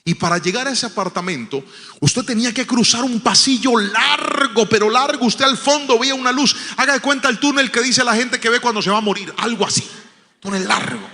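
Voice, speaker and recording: A man preaching a sermon. He tells a story, dropping to a hush and then rising to loud, emphatic declarations. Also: very high voice, fairly quick, big-room sound. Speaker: pastor.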